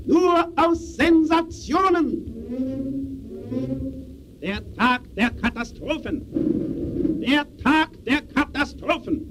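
An actor playing a theatrical, incantatory crier of sensations and catastrophes in a 1920s-style radio play. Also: male voice, very high voice, slight background noise, full character voice, rough recording. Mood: feverish proclaiming. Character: grandiose male chorus-like crier of sensations and catastrophes.

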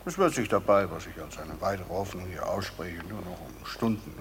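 A man acting in a German radio drama as a stern justice official, speaking with formal, deliberate authority. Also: sits low, slight background noise, natural voice. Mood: formal, probing.

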